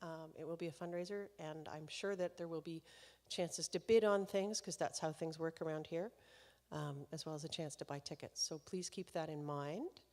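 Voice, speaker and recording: A low-voiced woman emcees a live concert, speaking to the audience in a chatty, easygoing way with frequent laughter. Her voice rings out with a long reverb tail from the concert hall around her. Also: steady tone, normal speed, hardly any pauses. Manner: chatty and warm-hearted, laughing between remarks. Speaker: concert series host. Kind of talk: live stage introduction to an audience.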